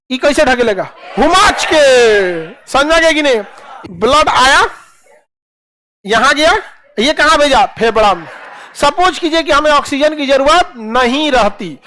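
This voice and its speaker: Animated teacher quizzing a class. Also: male voice, very high-pitched. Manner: animated, drills students with repeated questions and acted asides. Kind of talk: classroom lecture with call-and-response.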